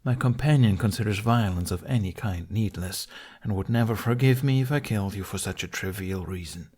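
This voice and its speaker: A man's voice: lowish voice, fairly quick, a little mellow, slightly rough. A man voicing a sardonic, bossy male black dragon in an audiobook, with dry, blunt retorts. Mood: measured.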